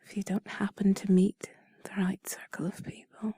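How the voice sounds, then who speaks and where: A woman doing an intimate whispered role-play in a soft, breathy, sultry and soothing voice, speaking slowly and deliberately, close to the mic. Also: mid-range voice, level tone, no room sound. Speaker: intimate audio narrator. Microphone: close mic, dry.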